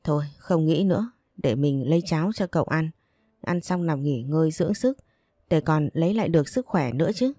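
A woman's voice: sits low, animated, brisk, warm tone, no echo, clean studio sound. A woman doing a protective young girlfriend. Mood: soothing. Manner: consoling, then outraged.

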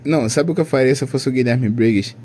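A man's voice: medium pitch, quick pace, a little mellow. A man in his twenties with a Brazilian Portuguese accent, co-hosting a podcast in casual chat, rambling and slangy with frequent laughs. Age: 20s. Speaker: podcast co-host.

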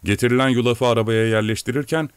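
A man reading an audiobook in a measured storytelling manner. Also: mid-range voice, fairly even intonation, clear, resonant tone, no echo. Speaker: audiobook narrator. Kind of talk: scripted audiobook narration.

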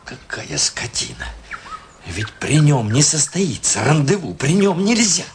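An actor playing an irritable, self-pitying middle-aged husband in a radio play, spluttering and hesitant with theatrical outbursts. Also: male voice, a little high, sing-song, measured pace, a little hiss or hum. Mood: bitterly frustrated. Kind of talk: Russian radio play acting.

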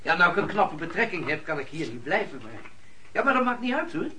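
An actor playing a sly young swindler posing as a friend in a radio drama, hesitant and evasive. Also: male voice, sits high, very animated, fairly quick, pushed and bright, heavily acted. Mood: evasive, reassuring. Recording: noisy, distant old radio play.

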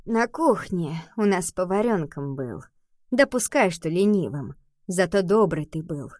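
A woman voicing a proud elderly noblewoman who speaks in a calm, dignified way in an audiobook. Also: lowish voice, unhurried, no echo, studio quality.

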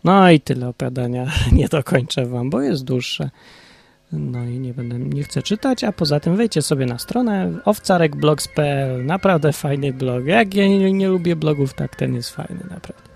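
A man's voice: on the high side, lively intonation, normal speed, creaky, a little mellow. A man hosting his own podcast in a rambling, self-ironic casual monologue. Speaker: podcast host.

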